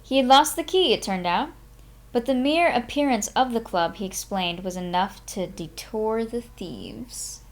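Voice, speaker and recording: A woman's voice: on the high side, animated, a little slow. A woman narrating a memoir aloud as a live streamer, in an informal manner with her own small asides. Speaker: streamer reading a book aloud.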